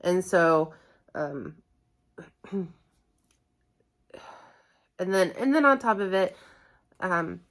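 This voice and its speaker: Rambling, low-pitched woman chatting casually. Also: expressive, extremely slow, pauses often. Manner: rambling, self-correcting, apologetic. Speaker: host of a music reaction channel. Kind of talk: casual chat to viewers.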